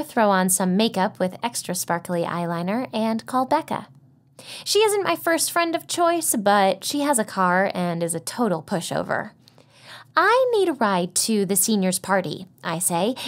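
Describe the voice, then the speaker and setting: A young adult woman reading a first-person teen novel, sassy and expressive, with whispered asides. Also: medium pitch. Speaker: audiobook narrator.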